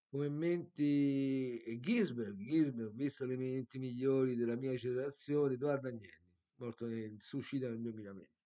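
A man's dark, mellow voice at medium pitch, fairly even in intonation, at a moderate pace against a quiet background. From Tuscany, Italy (Cetona); Tuscany, Italy. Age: 50s. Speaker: comics video blogger. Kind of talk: casual monologue. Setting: evening solo video recording. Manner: rambling, digressive. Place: home room. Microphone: webcam.

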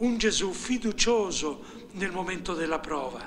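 A man's high-pitched voice at a moderate pace, with ordinary pitch variation and light background noise. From Italy. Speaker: cardinal archbishop giving biblical commentary. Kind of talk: religious meditation, biblical exegesis. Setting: cathedral. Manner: formal. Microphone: podium.

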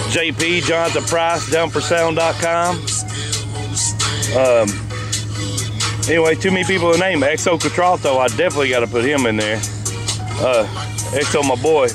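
Over clear music in the background, a man talks at a moderate pace. He leaves long, frequent pauses, and the sound is dry with no echo. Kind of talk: casual vlog chat. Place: car. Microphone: phone near.

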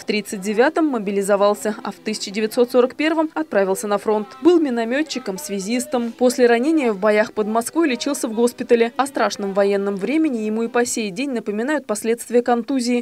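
A woman with a fairly high pitch speaks at a fairly quick pace with hardly any pauses and ordinary pitch variation. Noticeable background noise is present. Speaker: TV news reporter. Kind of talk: TV news narration.

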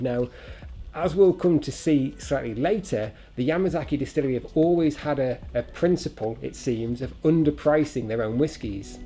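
Fairly quick speech from a man over background music. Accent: British. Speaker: whisky investment presenter. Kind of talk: casual talk to camera.

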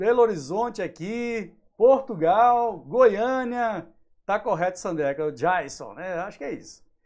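Against a quiet background, a man with a high pitch speaks at a very slow pace using lively intonation. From Natal, Rio Grande do Norte, Brazil; Rio Grande do Norte, Brazil. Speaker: programming teacher and YouTuber; livestream programming teacher. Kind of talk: live coding tutorial; live tutorial and chat with viewers. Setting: live stream. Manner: casual and animated. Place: home room.

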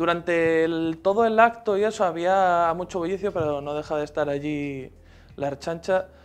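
Over a quiet background, a man speaks at a fairly slow pace in a high pitch with ordinary pitch variation. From Asturias. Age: 20s. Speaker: protest participant. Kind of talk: interview.

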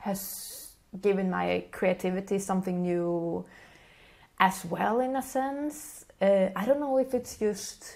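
Very slowly and with lively intonation, a woman speaks in a Swedish accent over a quiet background. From Sweden, Stockholm; Sweden. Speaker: illustrator; podcast guest. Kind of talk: interview. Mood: reflective, relaxed. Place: home room. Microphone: studio mic.

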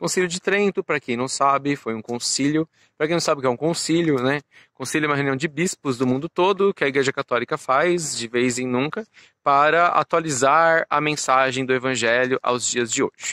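This man's fairly high, bright, sharp voice has ordinary pitch variation, recorded dry with no echo against a quiet background. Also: fairly quick pace. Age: 30s. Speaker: youtuber explaining a school text. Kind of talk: reading aloud with commentary. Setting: outdoors in a park. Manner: casual, conversational. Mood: ironic, sarcastic at times. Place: open country. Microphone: phone near.

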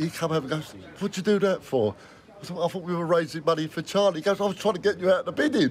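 The speaker has an English accent and moves at a fairly quick pace. Light background noise sits behind the voice. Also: man. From England. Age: 60s. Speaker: admirer meeting a guest. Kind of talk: casual chat. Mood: warm, jovial. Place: street.

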